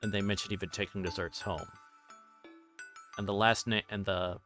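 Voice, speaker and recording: A man's voice: on the low side, fairly even intonation, normal speed, over music. A man reading game text aloud and commenting casually as he streams a visual novel. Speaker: livestreamer playing a visual novel.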